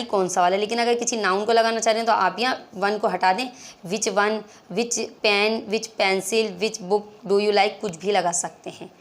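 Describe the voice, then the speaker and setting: Woman, South Asian accent, native Hindi-Urdu speaker, English teacher, mid-pitched voice, instructive, repetitive, frequent check-ins. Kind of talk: spoken lesson explaining English questions in Hindi-Urdu.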